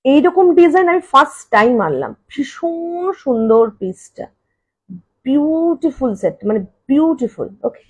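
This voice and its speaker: A woman selling jewellery on a live stream. She says each price slowly and more than once, and chats quickly in between. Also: sits high, big pitch swings, a little mellow, poor audio. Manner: repeats prices slowly, then chats fast in bursts. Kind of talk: live-stream sales talk. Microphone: phone camera.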